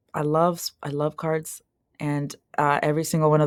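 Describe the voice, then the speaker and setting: Monotone, flat intonation in a Californian accent comes at a moderate pace on a very clean recording with a silent background. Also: woman. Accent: Californian American English. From Los Angeles, California. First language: Spanish. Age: 30s. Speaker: sports card breaker and content creator. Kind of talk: podcast interview.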